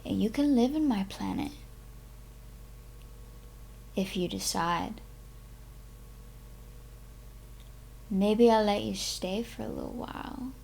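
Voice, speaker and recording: A woman reading a story aloud as an odd, childishly grandiose man who speaks dreamily in halting, broken English. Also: medium pitch, expressive, vocal fry, mellow, a little hiss or hum. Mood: solemn, generous.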